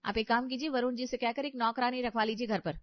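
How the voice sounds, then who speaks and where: A woman's voice: fairly high pitch, steady tone, quick pace, dry recording, close to an everyday voice. A woman voicing a spoiled, haughty young bride in a cartoon story who is rude and sarcastic to her mother-in-law. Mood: dismissive. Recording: dry, slightly dull audio.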